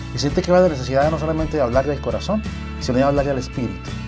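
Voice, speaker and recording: A man's voice over clear background music. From Medellín, Colombia. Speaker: radio announcer. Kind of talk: personal testimony to camera about faith and radio career. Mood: warm, reflective, faith-filled. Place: studio. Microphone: lapel.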